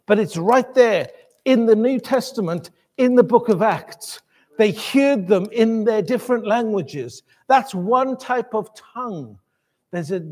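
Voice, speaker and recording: A man's voice: very high voice, darkish tone, long reverb tail. A man preaching a sermon in a conversational way, with many restarts and asides to the congregation. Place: church.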